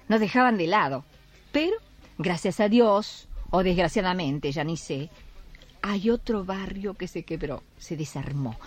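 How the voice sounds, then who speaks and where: An actress playing a weary, fiery wife and neighbourhood activist in a radio drama, with an Argentine accent and an emphatic way of talking. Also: female voice, mid-range voice, a little mellow, breathy edge. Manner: emphatic, reproachful, with rhetorical questions. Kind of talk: Spanish-language radio drama acting.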